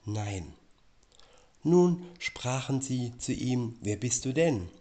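A man reading Bible verses aloud and explaining them in a slow, deliberate preaching style. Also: medium pitch, a little mellow. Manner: slow, measured, deliberate delivery.

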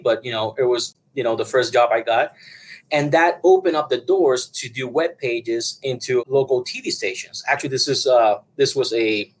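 A man from Puerto Rico in his thirties, a guest on an interview show. He talks about his work in a loose, rambling way, full of fillers and restarts, at a middle pitch. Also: poor audio. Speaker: guest broadcast engineer. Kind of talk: conversational interview.

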